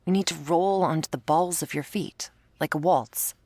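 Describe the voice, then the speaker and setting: A woman's voice: deep voice, moderate pace, darkish tone, dry recording. A woman performing an ASMR roleplay as a commanding, teasing werewolf hunter who instructs the listener. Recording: faint string music behind.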